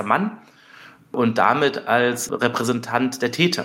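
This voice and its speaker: A man with vocal fry speaks at medium pitch and a fairly slow pace. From Germany, partly Munich. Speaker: political scientist, professor. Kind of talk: interview conversation, debate. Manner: hesitant with many fillers.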